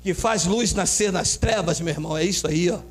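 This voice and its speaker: A man preaching a sermon as pastor, swelling into shouted climaxes. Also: high voice, brisk, soft background music.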